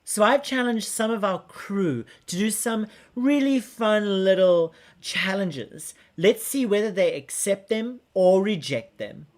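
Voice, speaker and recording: A woman's voice: mid-range voice, lively intonation, slow pace, few pauses, a little mellow. A woman hosting a casual challenge segment, upbeat and cheerful, counting down for her crew. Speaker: host running the crew challenges.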